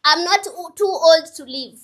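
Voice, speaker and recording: A twenty-something woman vlogs motivational advice directly to her viewers, earnest and chatty, circling back to her points with offhand asides. She speaks at a moderate pace in a very high, fairly bright voice.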